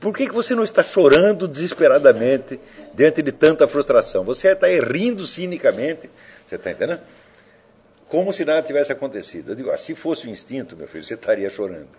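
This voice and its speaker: A man's voice: on the high side, sing-song, fast talker, darkish tone, husky. A man giving an informal lecture, provoking his listeners with rhetorical questions and casual swearing.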